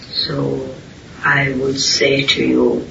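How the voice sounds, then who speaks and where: A man speaking as a spiritual teacher, answering questions solemnly and deliberately in halting short phrases. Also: mid-range voice, completely flat delivery, creaky. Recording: roomy, distant, muffled, hissy amateur recording.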